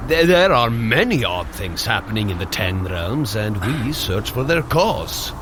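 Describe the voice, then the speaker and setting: A man's voice: on the low side, sing-song, a little slow, background noise. An actor playing a hearty, good-natured warrior god in an audio drama, effusive and archaic in his phrasing. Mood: candid. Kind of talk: scripted audio drama acting.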